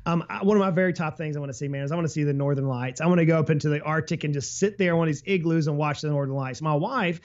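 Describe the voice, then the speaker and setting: A man on a business podcast, explaining financial planning with lively travel analogies and imagined client quotes. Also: a little high, fast talker, few pauses, muffled recording. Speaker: financial advisor guest. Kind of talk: casual business podcast talk.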